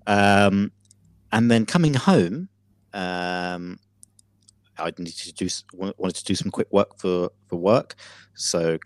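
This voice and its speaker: A man co-hosting a podcast, telling a story theatrically with many pauses and fillers. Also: low-pitched, no echo. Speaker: podcast co-host. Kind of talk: casual chat.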